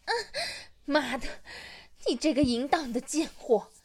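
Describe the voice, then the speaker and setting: A woman's voice: high voice, unhurried, darkish tone. A woman voicing a foul-mouthed young woman in a catfight, taunting and cursing in an amateur audio role-play. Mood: shouting.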